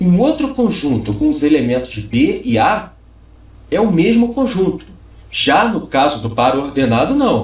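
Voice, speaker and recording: Audible room echo surrounds a man speaking at a fairly slow pace, his high pitch swinging very widely. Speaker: math teacher. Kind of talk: lecture.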